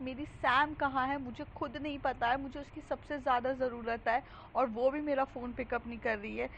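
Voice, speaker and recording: A woman's voice: high voice, fairly bright tone. A woman performs a panicked young woman in a spoken storybook, her frantic questions tumbling out one after another. The voice sits raised and strained above the narrator's own. The recording is dull and lo-fi, with a faint hiss behind it.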